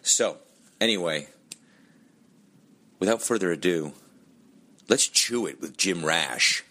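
Low-voiced man hosting, voice nearly gone. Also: slow, bright, forceful tone. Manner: rambling, many fillers. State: losing his voice. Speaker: podcast host. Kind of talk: casual podcast intro and plugs.

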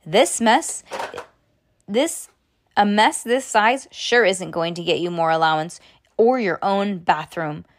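A woman's voice: mid-range voice, animated, slow. A woman reading a storybook as an exasperated father, firm and scolding with his children. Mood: stern.

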